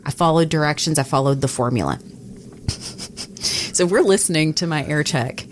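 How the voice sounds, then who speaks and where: A woman with a slightly low voice, a radio personality and podcast co-host, swaps work stories at a normal speed in a relaxed, chatty way. She acts out the conversations she recalls. Faint noise can be heard behind her.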